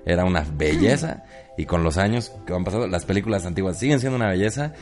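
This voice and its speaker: A man's voice: low-pitched, lively intonation, quick pace, darkish tone, faint music behind. A man with a Mexican accent co-hosting a comedy podcast, joking, laughing often and slipping into impressions. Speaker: podcast co-host. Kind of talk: casual comedy chat.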